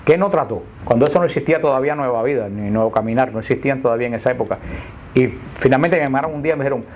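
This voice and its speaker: A man's voice: mid-range voice, racing, darkish tone, slight background noise. An older man teaching a group about the Catholic faith in a chatty, joking, storytelling way. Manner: chatty, jokey storyteller who laughs at his own slips.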